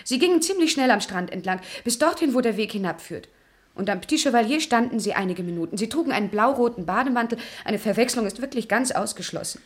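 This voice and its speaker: A woman's voice: fairly high pitch, lively intonation, fast, close to an everyday voice. An actress playing a poised female witness, polite, precise and coolly accusing, in a German radio crime drama. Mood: pointedly accusing.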